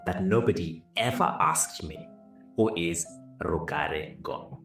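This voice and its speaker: Soft violin music plays as a Zimbabwean man, a coach in business and leadership, reflects earnestly on his life. He speaks in a low voice, a little slowly, and the recording sounds roomy, with the mic set somewhat far away.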